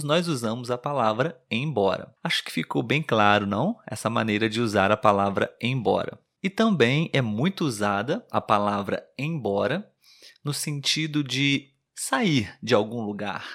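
A man hosting a Portuguese lesson podcast for learners, speaking slowly and clearly, checking in with listeners as he gives examples. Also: medium pitch, a bit bright. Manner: slow, clear teaching delivery with examples. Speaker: Portuguese tutor and podcast host.

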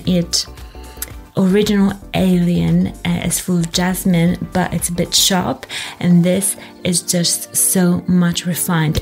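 A woman's voice: on the low side, vocal fry, a little mellow. Chatty woman hosting a fragrance review. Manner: chatty, repeats words for emphasis. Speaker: fragrance channel host. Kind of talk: casual product review.

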